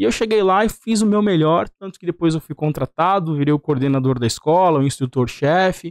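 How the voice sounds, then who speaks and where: Dry and close with no echo, a man's plain, everyday voice comes at a fairly high pitch and a fairly quick pace. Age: 30s. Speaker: corporate security head. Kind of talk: interview, personal story.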